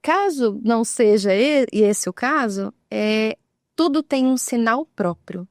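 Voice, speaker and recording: A woman's voice: fairly high pitch, lively intonation, slow, no room sound, studio quality. A woman with a Brazilian Portuguese accent, a guest on a talk show, patiently explaining and often checking in with tag questions. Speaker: guest, sign language expert.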